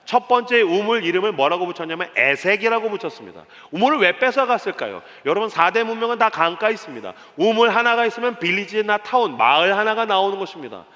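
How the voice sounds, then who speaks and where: A male pastor preaching a lively early-morning sermon in a church, dramatizing with acted voices and sound effects. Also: high-pitched, fast talker, hardly any pauses. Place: church sanctuary. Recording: long hall reverb.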